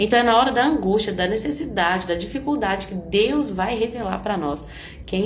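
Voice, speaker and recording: With an animated tone and medium pitch, a woman talks at a moderate pace amid audible room echo and noticeable background noise. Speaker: Bible teacher. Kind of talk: Bible study livestream.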